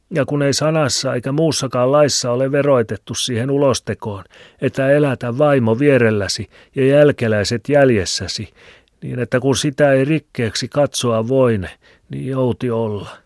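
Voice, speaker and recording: For an audiobook, a man voices a stubborn, grumbling old village shoemaker who talks in a rambling, folksy way. His medium-pitched, slightly mellow voice is pushed up a bit yet stays close to an everyday voice. The studio sound is dry and close, without echo.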